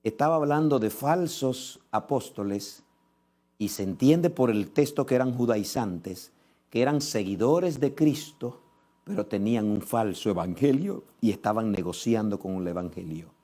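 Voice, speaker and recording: A male pastor preaching a sermon in church. He swings between low, measured passages and loud, impassioned stretches, and he piles up short repeated phrases. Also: expressive. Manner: lists things in rapid repeated phrases.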